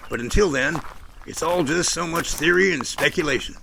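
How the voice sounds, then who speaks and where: A man playing an earnest, self-assured Bigfoot investigator in an audio drama, explaining things in measured, speech-like lines. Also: on the high side, vocal fry, pushed and bright, slight background noise, exaggerated voice, low-quality recording. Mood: earnest, pondering. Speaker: actor in a Sasquatch audio drama. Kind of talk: amateur audio drama dialogue.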